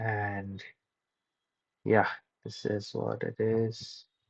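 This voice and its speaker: Mumbling speech with long, frequent pauses. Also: man. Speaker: live-coding streamer. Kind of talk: live coding stream. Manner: hesitant, many fillers.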